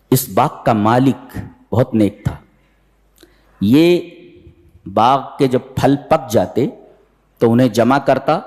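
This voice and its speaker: A man giving a sermon that explains the Quran, telling the story with lively, theatrical delivery. He jumps into high-pitched voices when acting out characters and chants the Arabic verses slowly. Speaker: Quran commentary preacher. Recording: hall reverb.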